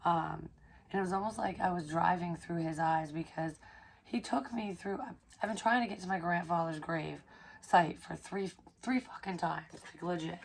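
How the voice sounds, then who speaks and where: Hoarse new woman vlogging, gravelly low voice, lots of ums and swearing. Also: moderate pace, a little hiss or hum. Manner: chatty, swears casually, frequent ums. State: hoarse, recovering from illness. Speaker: psychic medium vlogger. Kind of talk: casual rambling vlog talk.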